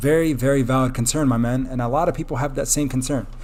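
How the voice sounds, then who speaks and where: Over audible room echo, a man speaks at a medium pitch and a fairly quick pace. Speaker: crypto YouTuber. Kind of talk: live stream chat reading super chats. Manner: fast when excited; animated.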